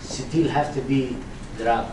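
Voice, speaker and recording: A middle-aged man speaks broken English with a Kurdish accent, feeling his way through a question. His voice sits at an average pitch, picked up from a distance in an echoey, noisy meeting room. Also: fairly even intonation, slow pace. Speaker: community journalist asking questions. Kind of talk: question from the floor at a community meeting. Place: meeting room, seated around tables. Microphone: distant camera microphone.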